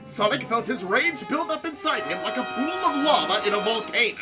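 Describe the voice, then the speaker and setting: A young woman reading a silly story aloud in an animated, mock-dramatic way, as a comic co-host. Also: fairly high pitch, fairly quick, over music.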